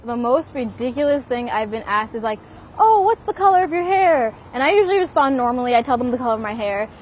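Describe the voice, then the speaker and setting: A young adult university student, born in Pakistan and raised in the United States, gives candid interview answers in a fairly high voice, talking fast with lively, sarcastic animation. She mimics others' questions sarcastically, speaking outdoors amid a faint hum of noise.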